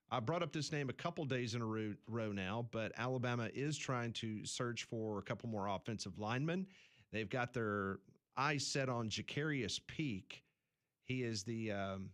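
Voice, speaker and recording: Low-voiced male sports radio host. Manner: brisk news-style updates, dry sarcasm. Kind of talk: casual sports talk radio.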